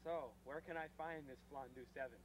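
A teenage boy playing a panicked boy who wants to avenge his friends, talking in an excited, rambling way in a homemade school video. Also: mid-range voice, brisk, close to an everyday voice. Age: teens. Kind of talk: amateur school video acting. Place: woods outdoors. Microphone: camcorder mic. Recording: noisy old camcorder tape.

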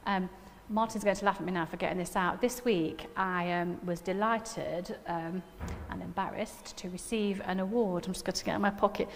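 A middle-aged preacher with a Nottingham accent delivers an informal sermon from a lectern on a church hall stage, chatty and self-deprecating, sharing personal anecdotes and often using tag questions. Her lowish voice is steady, at a normal pace with vocal fry and few pauses. The hall echoes with long reverb, and there's slight hiss or hum.

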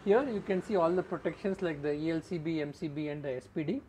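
A man's voice: a little high, quick pace, dark tone, a little hiss or hum. A middle-aged man, a solar engineer, explaining equipment to camera in an earnest way, often repeating words for emphasis, recorded outdoors on a rooftop garden with a lapel mic.

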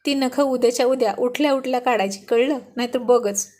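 A woman's voice: fairly high pitch, fairly quick, darkish tone, lightly acted. A woman reading a storybook, voicing a teasing, playful young husband in a bantering, mock-stern way.

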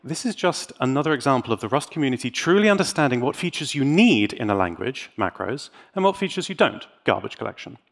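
Animated British man giving a talk. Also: mid-range voice, gravelly. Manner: theatrical, emphatic delivery with dramatic pauses; wry, tongue-in-cheek. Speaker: conference speaker. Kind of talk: scripted tech talk with dry comedy.

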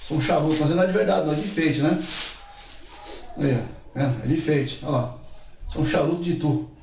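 A man's voice: a little high, fairly quick, slight background noise. A man, chatting to camera in a casual vlog and tagging his sentences with little checks like "right?". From Brazil. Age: 40s. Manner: chatty, animated gestures, many filler tags like "né" and "tá certo". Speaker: YouTube channel host. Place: indoor room before a painted wall. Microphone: camera mic from a few meters away. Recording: echoey room, far from the mic.

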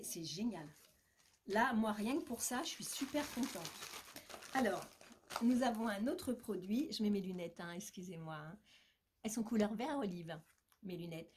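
A chatty woman talks through a beauty box unboxing in a relaxed, casual way. Her voice sits at an ordinary middle pitch. She gushes, hesitates and drifts into asides as she goes. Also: a little hiss or hum. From France. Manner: chatty, enthusiastic, many fillers and asides.

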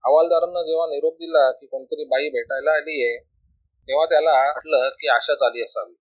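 A man narrating a story in a plain, steady reading style, on a dull lo-fi recording. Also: a little high, fairly quick, no echo.

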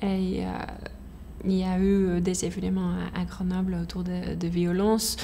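A woman, answering interview questions thoughtfully, with many pauses and restarts, in a lecture hall. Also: fairly low pitch, flat delivery, mellow, a little hiss or hum. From Netherlands. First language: Dutch. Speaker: conflict transformation researcher. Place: indoor lecture hall with red seats.

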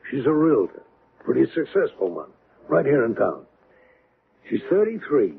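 An actor playing a plain-talking police detective in a radio drama, colloquial and hesitant. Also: male voice, medium pitch, wildly swooping pitch, normal speed, creaky, husky, full character voice. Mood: matter-of-fact, puzzled. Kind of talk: 1970s radio drama acting. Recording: narrow tinny old radio broadcast.

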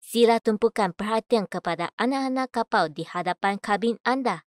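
A woman reading scripted voice-over in a measured, clearly enunciated way. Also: on the high side, no echo. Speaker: voice-over artist. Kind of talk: scripted voice-over demo: adverts, narration, announcements.

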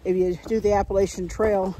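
A woman's voice: mid-range voice, little pitch movement, brisk, mellow, a little hiss or hum, poor audio. A woman, chatting to a phone at arm's length while hiking a wooded mountain trail, upbeat and encouraging. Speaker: hiking vlogger. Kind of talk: casual vlog to camera. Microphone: phone held at arm's length.

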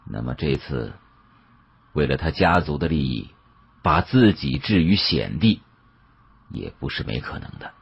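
A man narrating an audiobook as a dramatic storyteller, with an expressive, suspenseful delivery and a husky voice. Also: very deep voice, measured pace, pauses often. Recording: dull, muffled audio.

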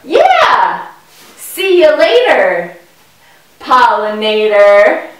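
Woman playing an animated boy puppet, echoey. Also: fairly high pitch, drawn-out words, exaggerated voice. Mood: cheery. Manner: wide-eyed, exaggerated exclamations. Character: excitable, friendly young boy puppet. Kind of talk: children's puppet show acting. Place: indoor room with puppet stage. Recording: echoey room, distant microphone.

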